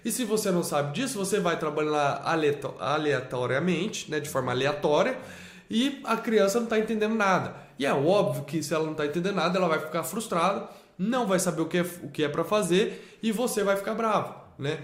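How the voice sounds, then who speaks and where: A man's voice: high voice, expressive, brisk, roomy sound. A man with a Brazilian accent, a homeschooling father talking emphatically in a casual conversation, often repeating himself and adding tag questions. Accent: Brazilian Portuguese.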